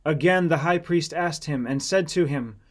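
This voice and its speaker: Slightly high-voiced man narrating scripture solemnly. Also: normal speed. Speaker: audiobook narrator.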